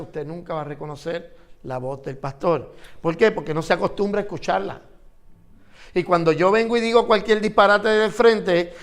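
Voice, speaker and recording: A man teaching an interactive Bible class, asking his students questions and repeating phrases for emphasis. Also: high-pitched.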